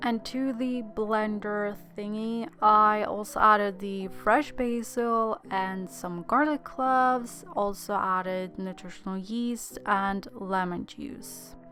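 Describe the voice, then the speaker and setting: A woman with a non-native accent at a very slow pace, hardly any pauses, and noticeable background noise. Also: medium pitch for a woman, ordinary pitch variation. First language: not English. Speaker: nutritionist and food vlogger. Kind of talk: voiceover narration of a cooking vlog. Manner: casual, self-correcting.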